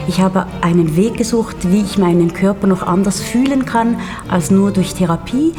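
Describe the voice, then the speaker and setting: A woman's voice: medium pitch, moderate pace, over music. A woman, a dancer, speaking earnestly in an interview, with small hesitations. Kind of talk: interview portrait.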